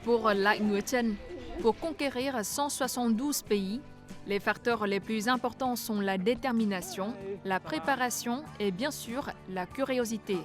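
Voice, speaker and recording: A woman's voice: on the high side, measured pace. A woman reading scripted narration for a television news feature. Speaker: news reporter. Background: background music.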